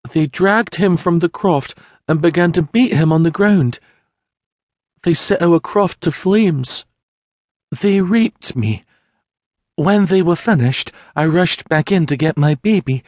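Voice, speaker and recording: A man voicing a grieving young peasant mother, tearful and humble, speaking in halting, broken phrases. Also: fairly high pitch, darkish tone, no room sound, pitched above the performer's own voice.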